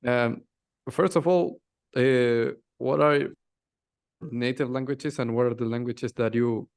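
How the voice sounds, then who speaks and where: A man from Chile, a podcast guest speaking halting English with many restarts. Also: mid-range voice, steady tone, creaky, a little mellow. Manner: hesitant, halting non-native English with restarts. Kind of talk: casual podcast conversation.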